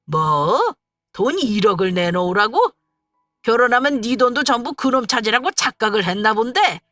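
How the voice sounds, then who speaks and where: Lady doing a furious middle-aged dad in a story, bossy and loud. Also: on the high side, big pitch swings, normal speed, no room sound, studio quality, soft background music. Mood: outraged. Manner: outraged, commanding. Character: indignant middle-aged father.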